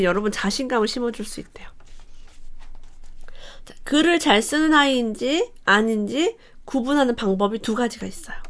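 A woman hosting a casual book review for parents, reading quotes aloud in a lively, animated way. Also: high-pitched.

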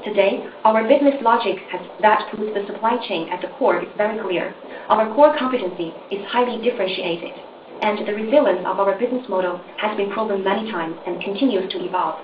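A woman's voice: medium pitch, fairly quick. A woman interpreter carefully reading formal corporate remarks on a conference call. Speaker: interpreter for executive. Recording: dull, roomy, noisy distant conference line.

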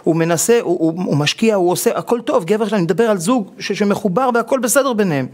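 A rabbi on a TV talk show explaining marriage advice and acting out quoted husbands and wives as he tells stories. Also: sits high. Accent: Israeli Hebrew. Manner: animated storytelling, acting out quoted spouses. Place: television studio.

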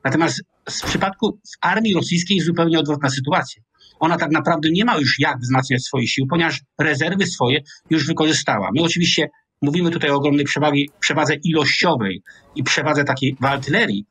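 A man in his sixties with a Polish accent, a military analyst explaining at a measured pace over a video call from a small home office. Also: a little high, a bit bright, breathy edge, no echo. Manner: measured, explanatory, restarts mid-word. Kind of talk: analytical interview commentary. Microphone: video call webcam.

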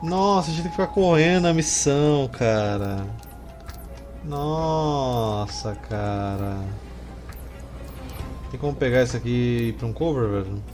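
A Brazilian man streams a game with casual, slangy commentary. His voice is mid-pitched, close to the mic, with faint game music behind. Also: a little slow, pauses often. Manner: slangy, swearing.

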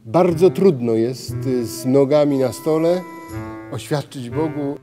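A middle-aged priest giving a slow, measured spiritual reflection full of rhetorical questions, recorded in a dim church. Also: male voice, mid-range voice. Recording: music bed under the voice. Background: soft music.

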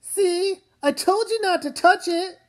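A woman's voice: very high voice, unhurried, voice pushed up. A woman voicing a cautious young boy with a childlike, pleading manner in a comic read-aloud. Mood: anxious. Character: young boy, cautious, whiny little brother.

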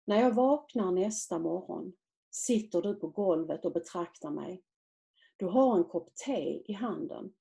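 A woman author reading aloud from her own novel in a measured, quiet literary manner. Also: on the low side, lively intonation, creaky.

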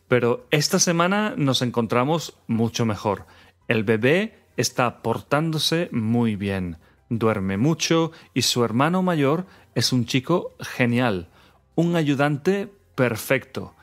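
Spanish-accented man hosting a podcast language segment, unhurried and clear; faint music bed. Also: mid-range voice. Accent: Spain Spanish. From Spain. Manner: clear, measured delivery with phrase repetition. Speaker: co-host teaching Spanish phrases. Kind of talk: scripted podcast lesson segment.

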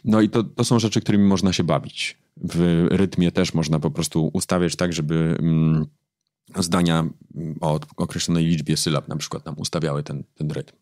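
A man, a book editor, explaining his craft thoughtfully in an interview, pausing often with fillers. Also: deep voice, level tone, a little mellow, no echo, clean studio sound. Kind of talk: interview conversation.

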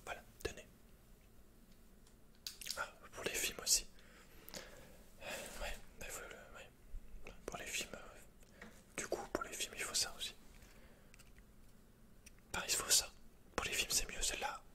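A young man with a French accent, whispering hesitantly and softly in a breathy ASMR roleplay as an awkward, introverted computer shop keeper. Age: young adult. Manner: hesitant, halting, soft-spoken. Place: indoors, dark backdrop. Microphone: close microphone.

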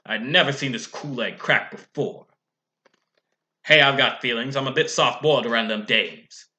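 Young man as Humpty Dumpty, bright-voiced noir detective. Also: mid-range voice, normal speed. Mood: softened, earnest. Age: young adult. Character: hard-boiled noir detective egg, male, wry and world-weary. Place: small room indoors.

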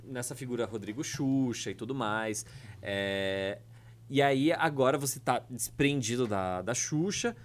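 A man's voice: mid-range voice, measured pace. A man from Brazil hosting a podcast, chatting with enthusiastic interjections. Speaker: podcast host. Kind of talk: casual interview chat.

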